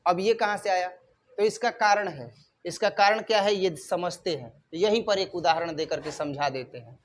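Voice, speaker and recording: A man's voice: sits high, normal speed, slight background noise. A male maths teacher at a whiteboard, asking his students questions and then answering them himself, going over key terms more than once. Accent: Hindi-speaking north Indian. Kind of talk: whiteboard lecture.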